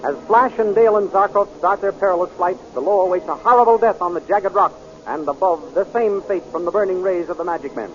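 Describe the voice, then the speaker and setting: A man's voice: sits high, fairly quick. A man giving dramatic scripted narration as a 1930s radio announcer. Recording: muffled 1930s radio recording. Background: music.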